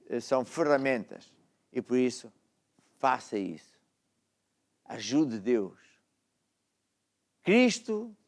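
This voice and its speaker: A middle-aged man with a European Portuguese accent, preaching a sermon and exhorting his listeners, then praying over them. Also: a little high. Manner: exhorting, asks "está a ver?" often. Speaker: apostle preaching. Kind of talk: sermon with closing prayer.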